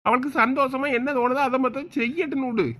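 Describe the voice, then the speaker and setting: A man playing a soft-hearted village father who coaxes and defends his daughter. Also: very high voice, fairly even intonation, quick pace. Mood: coaxing. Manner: coaxing, pleading. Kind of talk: comedy skit acting.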